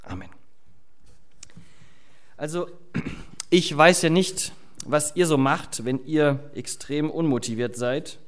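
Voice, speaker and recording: A man's voice: on the high side, takes it slowly, long pauses, smooth. A man preaching, reading scripture and chatting casually with the congregation with fillers and asides. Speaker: pastor. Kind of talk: sermon with Bible reading.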